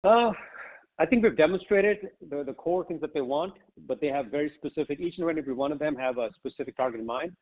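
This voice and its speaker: A man's voice: on the high side, fast talker. A man speaking as a company executive, answering questions off the cuff on an investor conference call in a conversational way peppered with "you know". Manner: conversational, often says "you know" and "right". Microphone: conference call line. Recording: slightly muffled conference call audio.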